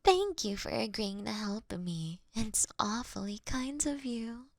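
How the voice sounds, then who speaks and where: A woman's voice: on the high side, animated, no echo, studio quality. A woman playing a courteous, doting vampire in a scripted roleplay, speaking intimately and breathily, often slipping into a whisper. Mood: gentle, grateful. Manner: slow, intimate, gently theatrical. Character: female vampire, courteous, doting, wryly confessing to her sleeping prey. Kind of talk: scripted roleplay audio for one listener.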